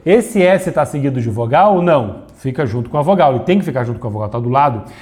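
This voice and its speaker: A man's voice: mid-range voice, animated, fast talker, darkish tone. A man teaching a grammar lesson on video, explaining step by step, asking and answering his own questions, and drawing out syllables to show them. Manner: stretches out syllables to demonstrate.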